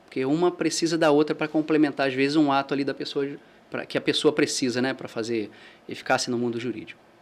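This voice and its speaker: In a Rio de Janeiro accent, a man talks at a very fast pace. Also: fairly high pitch for a man, fairly even intonation. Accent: carioca. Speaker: notary. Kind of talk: interview. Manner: formal.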